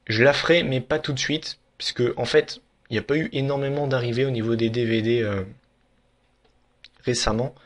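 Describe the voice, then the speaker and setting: A man's voice: medium pitch, fairly even intonation, normal speed. A young man giving a casual, frank review of a wrestling year in a vlog, with lots of fillers and restarts.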